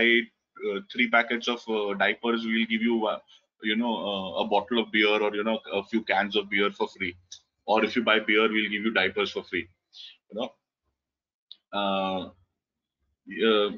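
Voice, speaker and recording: A man's voice: lowish voice, a bit bright. A man in his thirties with an Indian English accent, whose first language is Gujarati, giving an online business lecture, talking loosely with many fillers and restarts. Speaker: webinar lecturer. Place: indoor room, video call. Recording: slightly dull lo-fi call audio.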